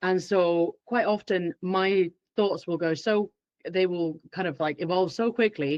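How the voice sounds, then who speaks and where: With a Finnish accent, a woman speaks at a fairly low pitch with ordinary pitch variation, the sound dry and close with no echo against a quiet background. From Finland. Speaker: behavioral strategist. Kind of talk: podcast interview. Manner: fast.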